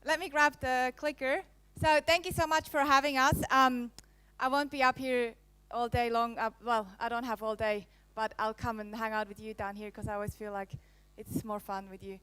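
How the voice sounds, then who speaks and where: A woman in her thirties, raised in Switzerland, speaks with a Swiss accent tinged with French. Her voice is smooth and clear and sits a little high. She gives a conference keynote on a handheld mic in a playful way and teases the audience. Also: level tone, normal speed, few pauses, fairly bright tone, no echo. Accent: Swiss, with some French. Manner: playful, teasing the audience, laughs often. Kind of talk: live keynote presentation. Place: conference hall. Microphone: handheld microphone.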